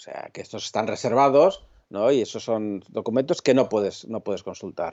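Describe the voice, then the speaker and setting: This man talks at a fairly quick pace. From Spain. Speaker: historian. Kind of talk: interview. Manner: animated.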